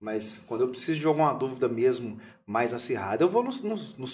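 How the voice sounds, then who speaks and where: An ordinary speaking voice from a man, medium in pitch, at a fairly quick pace. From Minas Gerais, Brazil (Passos). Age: 30s. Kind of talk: casual conversation.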